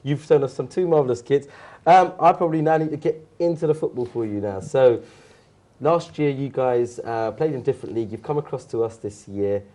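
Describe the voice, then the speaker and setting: A man's voice: medium pitch, brisk, mellow. A man hosting a studio football talk show, chatting casually with hesitant ums and playful jokes. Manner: hesitant, lots of ums and restarts, jokey. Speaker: host.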